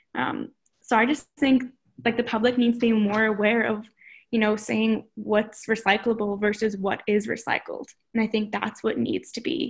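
In a fairly high, somewhat breathy voice with an American accent, a woman talks at a moderate pace with fairly even intonation against a quiet background. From US Northeast. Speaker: university sustainability coordinator; panelist. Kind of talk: panel discussion. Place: home room. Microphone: video call.

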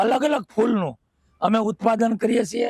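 A man speaks with a high pitch and fairly even intonation. The sound is dry and close, with no echo. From Saurashtra, Gujarat (Mahuva, Bhavnagar). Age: 40s. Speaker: beekeeper. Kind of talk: interview.

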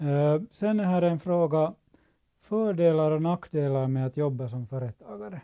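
Against a quiet background, a man with a dark, mellow tone and a fairly high pitch speaks at a moderate pace with lively intonation. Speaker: moderator. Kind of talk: webinar moderation. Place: studio.

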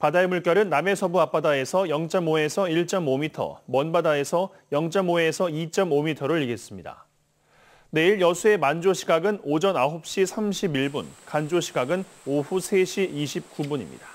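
The recording is very clean, with a silent background. A man speaks at a very slow pace in a high pitch. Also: ordinary pitch variation. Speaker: news anchor. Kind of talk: news reading. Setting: studio. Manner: formal.

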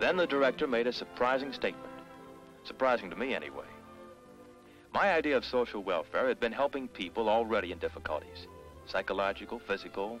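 A man at a very fast pace, dry sound with no echo, faint music in the background. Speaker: first-person film narrator. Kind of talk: documentary narration. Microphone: old recording.

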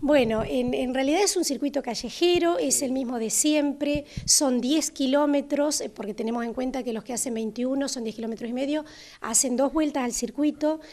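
The speaker is a woman with a high pitch. Her tone is dark and mellow. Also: ordinary pitch variation, moderate pace. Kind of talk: interview answer. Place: office. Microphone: handheld.

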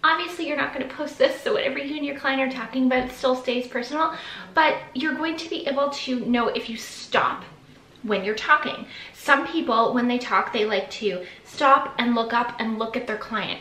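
A woman speaks at a moderate pace in a raised, projected voice with ordinary pitch variation. Audible room echo surrounds her. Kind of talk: casual vlog advice. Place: home room. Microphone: camera far.

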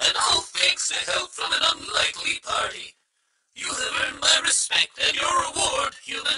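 A man performs a put-on character voice at an extremely high pitch. He delivers it at a moderate pace. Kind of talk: video game character dialogue. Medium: dub.

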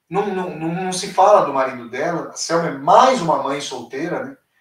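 A man speaks with a high pitch. Audible room echo surrounds his voice. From Brazil. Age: 40s. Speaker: writer and teacher, YouTuber; teacher, YouTuber. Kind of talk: live online lecture. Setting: live stream. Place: home room. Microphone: webcam.

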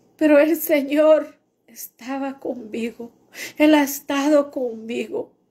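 A high-pitched woman with a dark, mellow tone, at a very slow pace. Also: ordinary pitch variation. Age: 50s. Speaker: church preacher. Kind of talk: sermon. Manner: halting, many fillers. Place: home room. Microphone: phone near.

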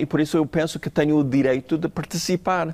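His pitch is fairly high. The man's pitch variation stays ordinary. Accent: English. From United States. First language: English (speaking Portuguese). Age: 60s. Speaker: novelist. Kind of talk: interview. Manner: halting.

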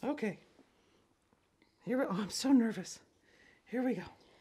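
A put-on character voice, female-sounding and fairly high-pitched for a woman, at a moderate pace. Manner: nervous, excitable.

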